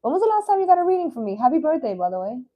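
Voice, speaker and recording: A woman in her thirties chats casually on a livestream as a tarot reader, slangy and talkative with some swearing mixed in. Her voice is high-pitched, sing-song and warm, and she talks at a racing pace.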